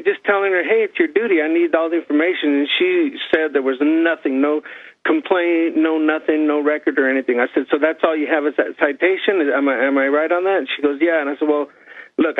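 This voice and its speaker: A man's voice: on the high side, no echo. A man calling in to a talk show, telling a long story with laughs and quoted exchanges. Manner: rambling anecdote with laughs and quoted dialogue. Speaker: caller. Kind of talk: phone-in storytelling. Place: calling in from Texas. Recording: tinny dry phone line.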